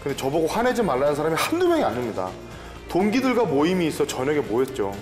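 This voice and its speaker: A man on a career advice panel who reads a listener's letter, then tells his own stories in an animated way. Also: fairly high pitch, fast, big-room sound, music in the background. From Korea, moved around the country as a child. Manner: animated storyteller who slips into a dialect when excited. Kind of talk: reading a letter, then casual panel chat.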